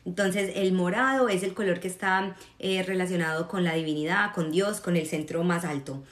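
Woman meditation guide, lowish voice, reassuring, in an echoey room. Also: normal speed. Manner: encouraging, reassuring. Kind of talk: guided meditation and live chat with viewers. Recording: roomy echo.

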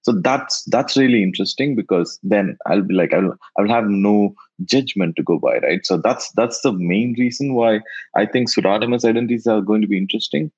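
A man whose first language is Tamil, answering interview questions in a halting way and often repeating words as he thinks. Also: lowish voice, a little mellow, slightly rough. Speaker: guest, NFT investor. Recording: dull lo-fi sound.

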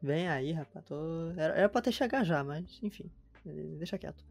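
A man's voice: on the high side, expressive, normal speed, darkish tone, soft background music. A man of twenty, hosting a podcast in a chatty, slangy way and reading a promo with energy. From Brazil. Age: 20s. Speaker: podcast host.

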